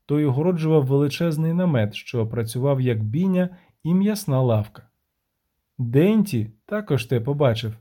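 A man narrating a fantasy audiobook in an expressive storytelling manner. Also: a little high.

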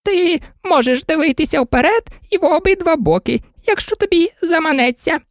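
A woman's voice: very high-pitched, animated, normal speed, no echo, studio quality, voice pushed up. A woman voicing a prim, pedantic sheep who keeps a shop and knits. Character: prim knitting sheep shopkeeper.

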